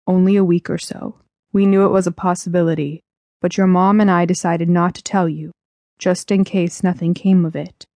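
A woman's voice: lowish voice, flat delivery, normal speed, mellow, no echo, lightly acted. Woman reading as serious, tender father. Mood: regretful. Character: serious middle-aged military father, tender, regretful. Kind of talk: audiobook character dialogue.

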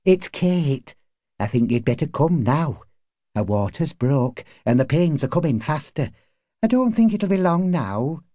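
A man's voice: fairly high pitch, sing-song, a little slow, dark tone, dry recording, studio quality, voice pushed up. A man voicing an anxious, deferential working-class woman neighbour in an audiobook, with urgent, hesitant, colloquial speech. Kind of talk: audiobook character acting.

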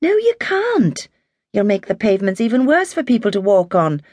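A woman reading the part of a tired, caring young working-class mother who speaks gently but firmly to her children. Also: mid-range voice, big pitch swings, moderate pace, husky, no echo, pitched above the performer's own voice. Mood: firm, motherly.

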